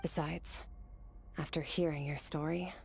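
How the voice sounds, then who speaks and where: A woman's voice: deep voice, fairly even intonation, unhurried, creaky, darkish tone, breathy edge, full character voice. An actress playing a stoic, resolute young warrior woman in a video game, composed, serious and matter-of-fact. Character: stoic, resolute young female warrior, sword master's disciple. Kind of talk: dramatic game voice acting.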